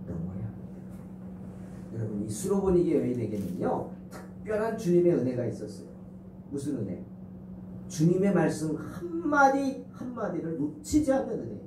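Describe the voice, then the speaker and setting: A man's voice: a little high, sing-song, normal speed, long pauses, background noise. A male pastor preaching a fervent sermon in a church sanctuary, asking the congregation one rhetorical question after another. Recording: echoey church hall, distant mic.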